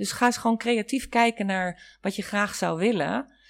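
A woman speaks in a normal speaking voice at a medium pitch and moderate pace, with ordinary pitch variation. The recording is very clean with a silent background. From Netherlands, Lisse (South Holland). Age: 50s. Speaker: regression therapist. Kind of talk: conversational interview. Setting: kitchen table at home.

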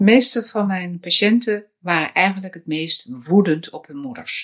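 Lively intonation carries a woman's bright, sharp tone. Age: 70s. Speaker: retired psychiatrist and psychotherapist. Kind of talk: interview. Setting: at home.

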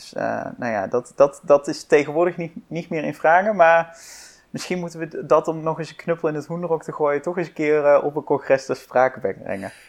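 With big swings in loudness, a man speaks at a fairly high pitch and a moderate pace with ordinary pitch variation. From Brabant, southern Netherlands. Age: 20s. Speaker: political candidate and policy adviser. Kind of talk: interview.

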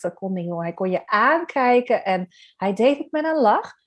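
A woman with a plain, everyday voice, a medium pitch, lively intonation and a fairly slow pace. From Netherlands. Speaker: coach for office assistants. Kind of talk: interview.

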